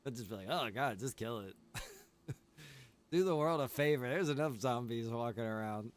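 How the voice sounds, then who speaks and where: Laid-back, slow-talking man on a gaming stream. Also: mid-range voice. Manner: laid-back, joking, laughs often. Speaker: live streamer playing a survival roleplay game. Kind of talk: casual gaming livestream chat.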